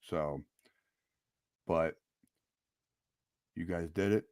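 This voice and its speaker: Low-voiced excitable man, dry sound. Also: drawn-out words, dry recording. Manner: excitable, trips over his words. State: voice nearly lost from yelling. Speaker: podcast co-host. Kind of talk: casual sports chat.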